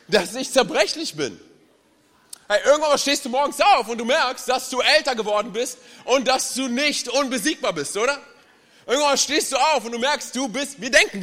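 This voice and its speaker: A young man preaching as a guest speaker in a church, energetic and chatty, joking with the audience. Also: very high voice, big-room sound. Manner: energetic, chatty, tells jokes. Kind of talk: sermon. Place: large church hall with audience.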